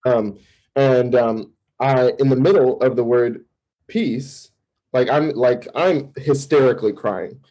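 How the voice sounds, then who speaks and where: A man who serves as a campus minister, a podcast guest who tells a personal testimony in animated storytelling bursts, with fillers and restarts. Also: medium pitch, slow pace, poor audio. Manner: animated storytelling, acting out his own past thoughts.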